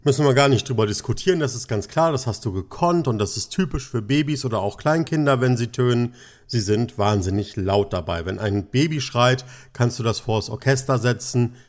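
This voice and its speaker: Man teaching voice, lively and emphatic. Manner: lively, shifts pitch and pace for emphasis. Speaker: voice and singing teacher. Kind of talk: explanatory lesson.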